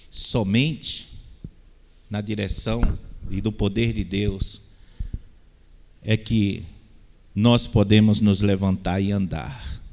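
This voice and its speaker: A pastor preaching a sermon, often asking the congregation "Amém?" and slipping in light-hearted asides. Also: male voice, on the low side, gravelly, a little mellow. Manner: call-and-response "Amém?" with playful asides. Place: church hall. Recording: long reverb of a church hall.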